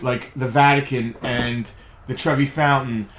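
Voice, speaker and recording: A man's voice: mid-range voice, steady tone, measured pace, roomy sound. Easygoing man on a noisy stream. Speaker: co-host of a toy shop live stream. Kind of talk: casual chat while running a stream.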